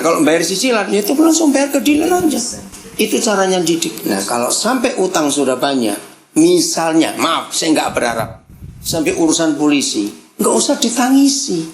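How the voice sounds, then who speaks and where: A woman preaching a sermon to a live congregation, teasing and acting out family quarrels with a laugh in her voice. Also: lowish voice. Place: church hall with congregation. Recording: echoey hall with audience responding. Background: congregation answering.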